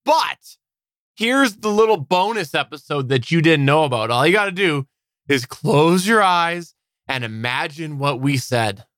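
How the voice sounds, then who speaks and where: Bright, crisp-voiced male podcast co-host. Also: a little high, expressive, unhurried, no room sound, studio quality. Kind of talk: casual podcast chat.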